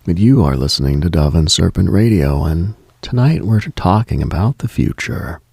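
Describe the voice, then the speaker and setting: A man hosting a late-night radio show, speaking a slow reflective monologue in a hushed, half-whispered delivery. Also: low voice, expressive, creaky, husky, no room sound, studio quality.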